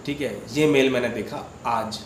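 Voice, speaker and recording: A man's voice: mid-range voice, steady tone, moderate pace, reverberant, background noise. A man hosting a devotional channel, casually retelling a viewer's dream experience in a conversational way, repeating words and asking listeners questions.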